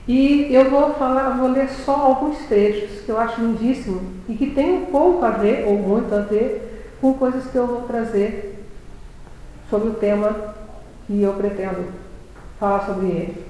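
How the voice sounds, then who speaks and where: Woman preaching and reading scripture slow and solemn, kinda high voice, big echoey hall. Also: mellow, a little hiss or hum. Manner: reads scripture aloud in a slow, solemn cadence. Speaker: speaker giving a religious talk. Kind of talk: reflective religious talk with scripture reading.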